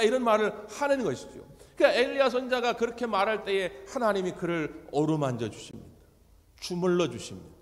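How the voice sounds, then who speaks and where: A man preaching a Sunday sermon as pastor, animated and emphatic, with dramatic pauses. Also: on the high side. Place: church sanctuary. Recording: long church hall reverb.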